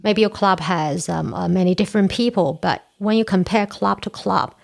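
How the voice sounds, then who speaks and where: Gravelly-voiced woman in her forties. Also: medium pitch, moderate pace. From China. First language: Korean. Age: 40s. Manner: earnest, explains step by step. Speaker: podcast guest, Toastmasters area director. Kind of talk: casual interview chat.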